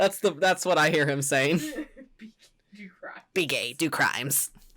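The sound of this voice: A raspy put-on character voice sits at a middle pitch. It moves at a moderate pace.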